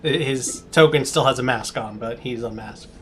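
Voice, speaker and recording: A man's voice: mid-range voice, moderate pace, a little hiss or hum. A man acting as game master, casually narrating a tabletop game to his players.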